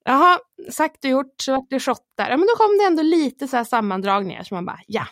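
A woman as a podcast guest, telling a candid personal story in a lively way, acting out quotes and swearing with frequent laughs. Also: sits high, no room sound, studio quality. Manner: lively, acts out her own quotes, swears and laughs often.

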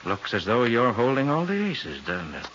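An actor playing a cool, quick-witted private detective with a clipped, wisecracking manner in a 1940s radio crime drama. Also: male voice, medium pitch, huge pitch swings, fairly bright tone. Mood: defiant. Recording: muffled, hissy old radio recording.

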